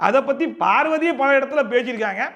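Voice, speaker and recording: A man reviewing a reality show in fast, opinionated commentary, sarcastic and animated, full of rhetorical questions. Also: very high voice, dull audio.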